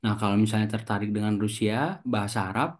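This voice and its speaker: A man's voice: fairly low pitch, racing. A man hosting a casual interview, asking short follow-up questions with many fillers. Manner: relaxed, asks short follow-ups, hesitant fillers. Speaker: host.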